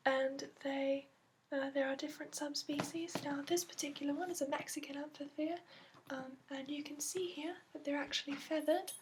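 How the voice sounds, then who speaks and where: A woman with a put-on accent speaking softly and breathily in an ASMR roleplay, explaining gently and haltingly like a guide, with many pauses. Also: high voice, slight background noise. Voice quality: soft, breathy, often whispery. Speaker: ASMR roleplay host playing a dragon expert.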